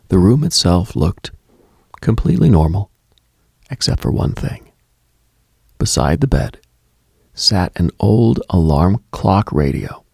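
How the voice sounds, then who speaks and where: Eerie, reflective stories unfold on a late-night mystical radio show, told by a man whose voice sits low and comes out gravelly, husky, and breathy. He speaks close to the mic in a hushed, halting, musing way, with no echo.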